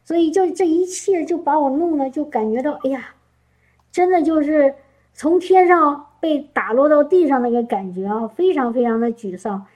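Woman, high and mellow voice, heartfelt church testimony, searching and repetitive. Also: moderate pace, poor audio. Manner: emotional, repeats words, asks listeners questions. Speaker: church speaker. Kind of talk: testimony sermon.

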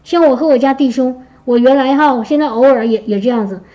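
Woman with a high mellow voice telling her church testimony, lively storyteller, kinda muffled lo-fi audio. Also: quick pace. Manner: lively storytelling, acts out quoted speech. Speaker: church member giving a testimony. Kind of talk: personal testimony to a congregation.

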